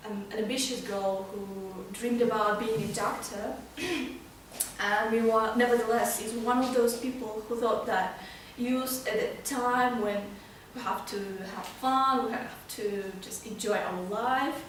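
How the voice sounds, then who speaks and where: A woman's voice: on the high side, steady tone, unhurried. A woman giving a prepared amateur speech at a club, hesitating and often restarting her phrases. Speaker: club speaker. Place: meeting room, recorded from a distance. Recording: very echoey room, distant mic, faint noise.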